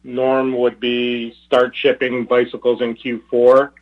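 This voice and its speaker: A man speaking as a company executive on an earnings call, in a halting, hesitant way with repeated words. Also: mid-range voice, completely flat delivery. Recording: tinny narrow phone-line conference call.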